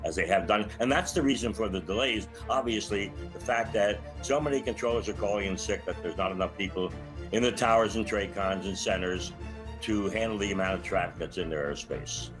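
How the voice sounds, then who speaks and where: An older man speaks as an expert guest in a news interview. His voice is fairly low, and music is clearly heard behind him. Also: fairly quick, low-quality recording. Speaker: retired air traffic controller, interview guest. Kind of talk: live news interview commentary.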